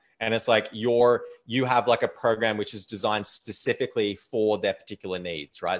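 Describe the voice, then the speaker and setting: A man with a fairly low voice talks at a very fast pace against a quiet background. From Australia. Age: 30s. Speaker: online business coach. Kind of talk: interview.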